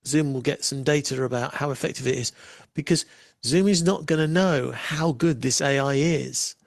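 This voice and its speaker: A man hosting a live software demo, chatting casually and making wry asides while he waits. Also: mid-range voice, gravelly, no echo. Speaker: livestream host demoing software.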